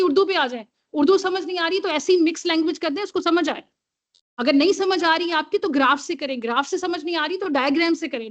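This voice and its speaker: A woman giving an online lecture, mixing in English and checking in with listeners. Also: sits high. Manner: code-switching, repeats "theek hai?" to check in with listeners. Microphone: computer mic on a video call. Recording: dull lo-fi video call audio.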